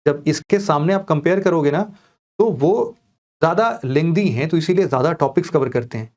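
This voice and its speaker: A man's voice: on the high side, normal speed, a little mellow. A man teaching exam aspirants, explaining a course plan in a conversational way and mixing in English words. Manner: conversational, mixing English words into Hindi, addressing students directly. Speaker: online exam coaching teacher. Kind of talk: explaining a course schedule to students.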